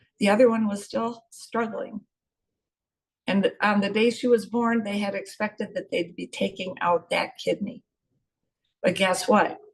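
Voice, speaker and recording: Somewhat breathy and fairly slow, the voice keeps a fairly even intonation and leaves long, frequent pauses. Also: woman, fairly high pitch for a woman. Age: 70s. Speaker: pharmacist. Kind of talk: testimony.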